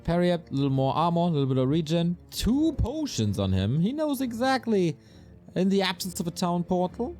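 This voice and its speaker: A man calls a strategy game match play by play with a slightly raspy voice that sits on the higher side. His delivery swings up and down with plenty of life, jumping into excited exclamations at big moments. Clear game music plays under his commentary. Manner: excitable, quick bursts of praise. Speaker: esports caster.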